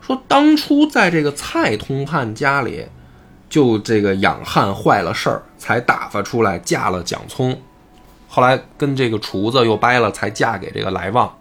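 At a moderate pace and mid-range pitch, a man hosts a casual talk show, explaining a classic novel. He's animated, acting out the voices of the characters he quotes.

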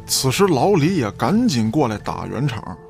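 Lively male radio drama narrator. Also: medium pitch, moderate pace, creaky, soft background music.

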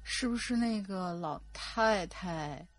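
A woman's voice: mid-range voice, takes it slowly. A woman co-host in casual chat, hesitantly thinking aloud as she guesses.

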